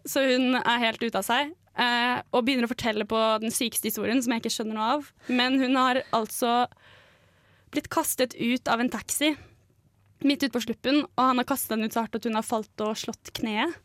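A woman's voice: fairly high pitch, fairly even intonation, fairly bright tone, dry recording, studio quality. A young woman, co-hosting a radio show and telling a story in a casual chat. She laughs often and uses many fillers. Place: radio studio.

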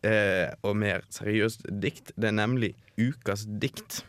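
A man's voice: on the low side, steady tone, a bit bright, clear, resonant tone, no room sound. A man hosting a radio segment, presenting items casually with fillers. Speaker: radio host.

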